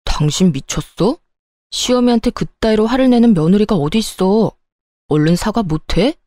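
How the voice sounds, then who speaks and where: A woman's voice: mid-range voice, lively intonation, normal speed, no room sound, clean studio sound, natural voice. A woman voicing an angry, stubborn husband who demands an apology. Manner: demanding, shouting orders. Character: stubborn angry adult husband, mama's boy.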